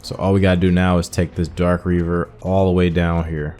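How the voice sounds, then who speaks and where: A man's voice: sits low, level tone, a little fast, dark tone. A man giving casual gameplay commentary as a video host, informally thinking aloud as he plays. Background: game music.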